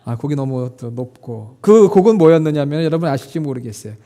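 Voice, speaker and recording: A middle-aged male pastor preaches a sermon earnestly, rising into emotional, prayer-like quotes before dropping to a soft tone. His pitch is fairly high, his delivery expressive and brisk.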